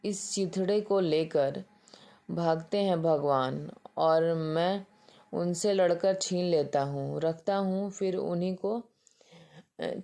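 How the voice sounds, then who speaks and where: A woman voicing a gentle male wandering ascetic beggar in a read-aloud story, speaking tenderly. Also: on the low side, gravelly.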